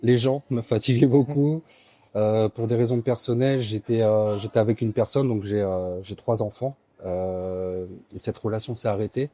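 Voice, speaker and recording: A man's voice: lowish voice, steady tone, moderate pace, warm tone, no echo. A man in his forties from France, talking casually as an interview guest, often hesitating with fillers and restarts. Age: 40s.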